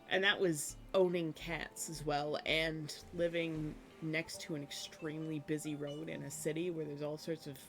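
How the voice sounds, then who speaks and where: A woman streaming a game from her room at home, chatting casually with many fillers and a slightly hoarse voice from a cough. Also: lowish voice, a bit bright. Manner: chatty, rambling with many fillers, laughs often. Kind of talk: casual chat while gaming.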